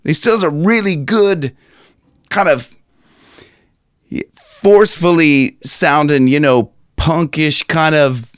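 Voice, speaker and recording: A man's voice: on the high side, slow pace, pauses often, no echo, clean studio sound. A man in his forties from Ohio, teaching a singing lesson in a chatty, loose way and now and then singing lines to demonstrate. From Ohio, USA. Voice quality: raspy in his upper singing range. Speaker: vocal coach. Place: small room with a dark curtain behind. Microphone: studio microphone on a stand, headphones on.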